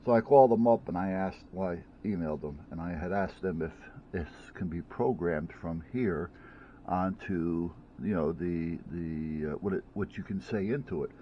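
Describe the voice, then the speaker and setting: A low-voiced man rambles through a casual gadget chat at home, restarting sentences and piling on fillers. The recording sounds a little dull, with a faint hiss underneath. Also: normal speed. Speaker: vlogger reviewing gadgets.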